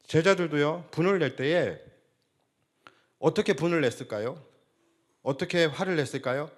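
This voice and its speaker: A man's voice: a little high, normal speed. A male senior pastor preaching a Sunday sermon, asking the congregation rhetorical questions and acting out quoted speech.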